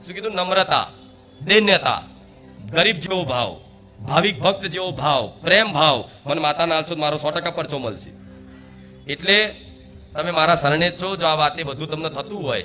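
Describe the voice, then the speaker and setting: A man's voice: a little high, normal speed, bright, forceful tone, faint music behind. A man preaching to a live devotional gathering as the goddess's voice, rhetorical, quizzing the crowd and repeating key words for emphasis. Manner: rhetorical, quizzes the audience and calls for responses. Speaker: spiritual preacher speaking as the goddess.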